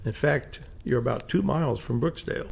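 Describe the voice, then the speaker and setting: A man playing a folksy, easygoing police captain and caretaker in an audio drama, with a gravelly voice. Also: mid-range voice, expressive, a little fast, full character voice. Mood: reassuring, friendly. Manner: folksy, drawling exclamations.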